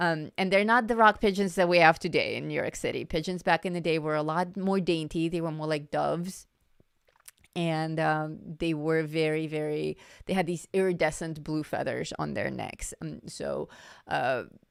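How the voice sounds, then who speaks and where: In a Russian accent, a woman with a fairly low pitch speaks at a moderate pace with fairly even intonation on a very clean recording with a silent background. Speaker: art teacher. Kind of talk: live stream tutorial. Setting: live stream. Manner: casual, chatty.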